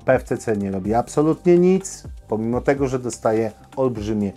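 A man hosts an informal news show in a dark, relaxed voice at a medium pitch. He talks straight to his viewers and gives his opinions freely, often pausing mid-phrase to find the next word. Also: soft background music. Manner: opinionated, addressing viewers directly. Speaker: host of a camping news show.

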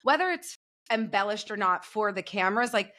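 A woman's voice: mid-range voice, lively intonation, brisk, bright, forceful tone. A young woman as a podcast guest on a video call from home, chatty and gossipy about pop culture. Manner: chatty, gossipy, laughs easily. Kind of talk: casual pop culture chat. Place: home room. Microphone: video call with earbuds.

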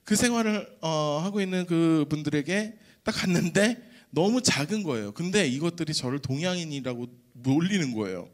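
A young man gives a testimony at a Friday prayer service with a slightly high, very lively voice. He tells his story in an animated way, acting out other people's lines and joking with the congregation. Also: moderate pace, hardly any pauses. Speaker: pastor giving testimony.

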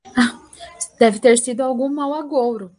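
A woman's voice: high-pitched, a little slow, darkish tone. A woman playing a defiant young princess in a comic audio drama, dramatic and sarcastic. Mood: indignant.

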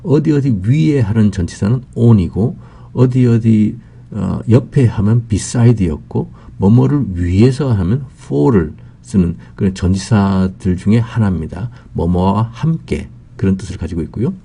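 A man teaching English in a patient explanatory lecture, saying his example phrases slowly and carefully. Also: lowish voice, animated, creaky, mellow, husky.

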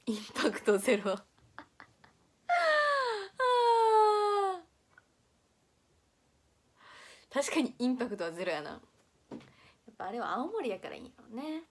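A young woman from Nara speaks with a relaxed Kansai accent, chatting casually as a livestream host. She reads viewer comments aloud and breaks into laughter often. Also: medium pitch, fast, slightly rough. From Nara, Japan. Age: young adult.

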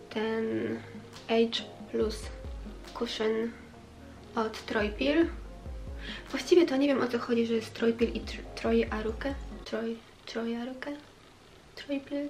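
Stuffy-nosed young woman, high creaky voice. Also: steady tone, slow pace, long pauses, soft background music. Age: 20s. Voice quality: congested, blocked nose as if pinched. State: stuffy nose from a cold. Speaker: vlogger. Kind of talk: casual chat to camera. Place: small bedroom, indoors. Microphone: camera a short distance away on a bed.

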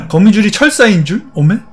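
A man's voice: high-pitched, sing-song, moderate pace, soft background music. A man playing a horror game and commenting, teasing the characters in playful chatter. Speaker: gaming YouTuber.

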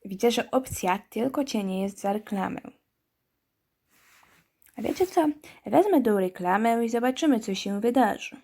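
A woman's voice: on the high side, animated, normal speed, long pauses, mellow. Chatty woman reading a story game. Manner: chatty, wry asides to viewers. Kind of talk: let's-play reading with chatty commentary.

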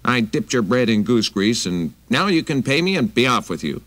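Un homme jouant une grosse dame avare et grincheuse. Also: male voice, medium pitch, very animated, normal speed, fairly bright tone, dry recording, voice pushed up. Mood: scolding. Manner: scolding, curt. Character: stingy grumpy big woman, cold and cranky.

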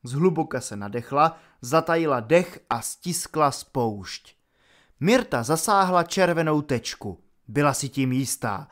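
A man reading an audiobook aloud in a measured, dramatic narrating style. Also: a little high, animated, a bit bright.

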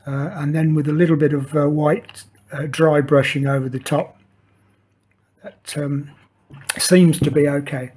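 A man's voice: on the high side, level tone, measured pace, long pauses, a little mellow, husky. An older man who explains a model-making build in a casual, hesitant way, with many fillers and restarts. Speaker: model maker demonstrating. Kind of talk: hobby tutorial, casual talk while working. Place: indoor workshop table.

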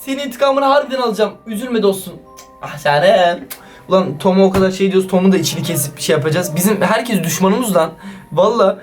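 A man vlogging over a phone game, excitable and slangy, often turning to talk straight to his viewers. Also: high voice, a little fast, soft background music. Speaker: YouTuber. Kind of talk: casual gaming vlog commentary.

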